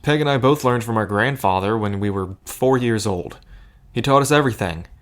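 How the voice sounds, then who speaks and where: A man plays a protective cousin caught up in a gambling scheme. His voice sits fairly low and stays conversational. He speaks earnestly, with a dry wit, as in an intimate audio drama. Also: normal speed, lightly acted. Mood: firm, persuasive. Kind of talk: scripted audio drama acting, addressed to the listener.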